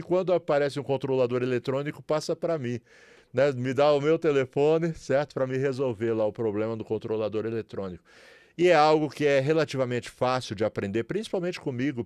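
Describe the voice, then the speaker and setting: A man's voice: medium pitch, a little mellow, clear, resonant tone, no echo, clean studio sound. A man from Brazil with a São Paulo accent, teaching refrigeration in a chatty, promotional way and often checking in with "certo?" and "beleza?". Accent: Brazilian Portuguese, São Paulo. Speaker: refrigeration instructor. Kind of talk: casual tutorial talk to viewers.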